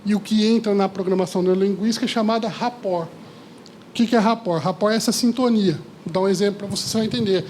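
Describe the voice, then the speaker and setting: High-voiced man lecturing a crowd. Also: steady tone, fast talker, darkish tone, a little hiss or hum. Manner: chatty, keeps asking the audience questions. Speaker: speaker at a seminar. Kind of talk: lively talk to a live audience. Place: lecture hall with audience.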